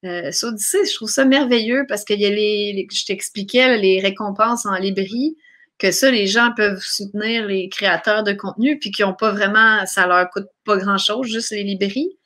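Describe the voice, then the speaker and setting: A woman's voice: mid-range voice, moderate pace, fairly bright tone. A woman with a Quebec French accent, chatting casually and effusively as an interview guest. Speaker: guest, singer and YouTube creator. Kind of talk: casual chat.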